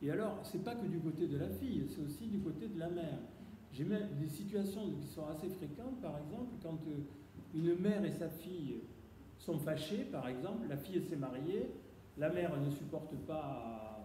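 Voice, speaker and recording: Through audible room echo and noticeable background noise, a man talks at a fairly high pitch. His intonation is lively and his pace moderate. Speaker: psychoanalyst and translator. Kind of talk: panel discussion.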